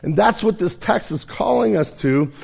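A male pastor preaching a sermon, hoarse and raspy from a cold, earnest and self-deprecating in a conversational way. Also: high-pitched, lively intonation, moderate pace, darkish tone.

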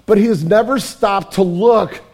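A middle-aged pastor preaching in a church, his voice raspy and hoarse, earnest and emphatic with many repetitions. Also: high-pitched, a little slow, darkish tone. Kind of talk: sermon. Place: church sanctuary.

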